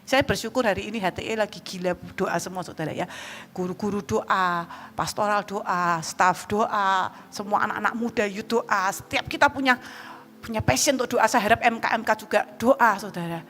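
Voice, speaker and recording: A woman evangelist with a Javanese accent preaching a sermon in a church hall, lively and joking, often calling out to the congregation. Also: mid-range voice, normal speed. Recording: reverberant church hall, faint background noise.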